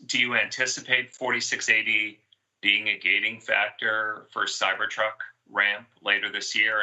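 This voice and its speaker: Analyst guy on a conference call, low flat voice, really sharp and bright, formal question. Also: low-quality recording.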